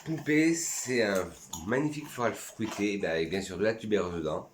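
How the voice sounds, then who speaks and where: A man's voice: lowish voice, big pitch swings, moderate pace, roomy sound, a little hiss or hum. A man from France chatting casually and enthusiastically in a vlog, reviewing his perfumes and sometimes talking to himself. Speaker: perfume YouTuber.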